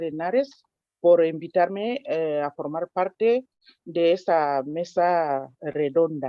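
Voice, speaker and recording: A woman speaks at a very slow pace with a Cameroonian accent. Her pitch sits fairly low. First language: Ewondo (speaking Spanish). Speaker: panel speaker, project coordinator. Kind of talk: round-table talk. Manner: hesitant with many fillers.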